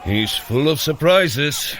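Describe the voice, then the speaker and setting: An actor playing a boastful, jovial warrior god prince in an audio drama, with a showy manner and grand old-fashioned phrasing. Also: male voice, on the high side, animated, slow, fairly bright tone, slight background noise. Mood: flirtatious, boastful. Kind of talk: audio drama acting for a guided workout.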